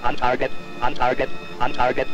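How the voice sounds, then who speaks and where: A man voicing a cold killer robot through a robot voice filter, giving clipped commands in a monotone. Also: mid-range voice, fairly quick, muffled recording, soft background music. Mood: commanding. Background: film score and gunfire.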